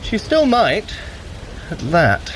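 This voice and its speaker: An actor playing a sly, haughty trickster god in an audio drama, precise and sardonic. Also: male voice, high voice, huge pitch swings, slow, a bit bright, full character voice. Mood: wry, grudging. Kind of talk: dramatic audio fiction acting. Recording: noisy ambience behind.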